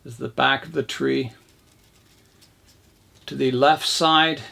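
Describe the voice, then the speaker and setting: A man hosting his bonsai channel, talking casually while he works on a tree, his voice hoarse from talking too much. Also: mid-range voice, fairly even intonation, takes it slowly, bright, forceful tone. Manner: rambling, chatty, talks while pruning. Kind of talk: casual narration while working.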